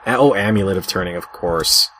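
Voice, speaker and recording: A man's voice: low voice, a little fast, bright, forceful tone. A man hosting a casual panel discussion, thinking aloud in a hesitant way. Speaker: podcast host. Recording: noisy lo-fi amateur podcast audio.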